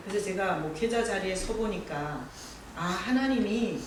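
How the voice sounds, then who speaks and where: A pastor giving a sermon from the pulpit, telling stories with gentle humor and calling on members of the congregation by name. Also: medium pitch, expressive, moderate pace, background noise. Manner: warm storytelling with gentle humor. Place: church sanctuary, from the pulpit. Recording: very echoey hall, voice from far off.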